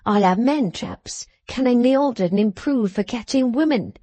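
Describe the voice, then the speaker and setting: A woman's voice: on the high side, normal speed, dark tone, dry recording, close to an everyday voice. Woman acting a malicious, drawling dwarf husband. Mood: threatening, roaring. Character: malicious, gleeful dwarf husband, menacing and mocking.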